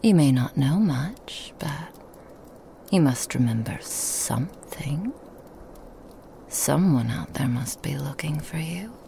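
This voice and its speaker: A woman voicing a seductive, sly female Christmas demon in an ASMR roleplay, whispering softly and teasing. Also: sits low, lively intonation, takes it slowly, creaky, a little hiss or hum, exaggerated voice. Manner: soft whispering, teasing and insinuating.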